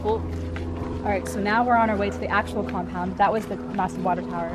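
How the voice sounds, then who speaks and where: A woman's voice: medium pitch, steady tone, fast talker. A woman in her twenties vlogging a hike outdoors, chatty and self-mocking, filmed on a handheld camera at arm's length. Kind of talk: casual hiking vlog. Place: outdoors on a canyon trail.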